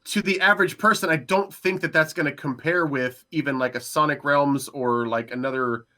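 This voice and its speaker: A man's voice: on the high side, moderate pace, pushed and bright. A man in a casual panel discussion, informal and emphatic, often checking that others follow him. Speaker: podcast panelist.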